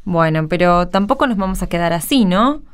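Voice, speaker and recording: An actress playing a persistent, practical rural neighbour in a radio drama, speaking earnestly with an Argentine accent. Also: female voice, on the low side, animated, fairly quick, clear, resonant tone, natural voice.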